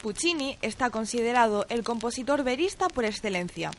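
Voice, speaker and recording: A woman's voice: a little high, lively intonation, brisk. A young woman playing a bossy, studious music student in an audio drama, insistent in manner. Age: young adult.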